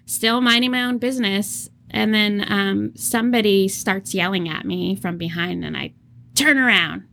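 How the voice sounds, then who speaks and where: A woman's voice: mid-range voice, normal speed, gravelly, sharp tone, slight background noise. A woman co-hosting a casual podcast, telling stories, laughing often and acting out what people said. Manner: storytelling, laughing often, acts out quotes. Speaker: podcast co-host.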